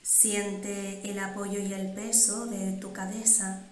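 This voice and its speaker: A woman guiding a meditation in calm, measured instructions with pauses between phrases. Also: medium pitch, a little hiss or hum. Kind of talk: slow, soothing guided meditation. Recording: roomy, echoing sound.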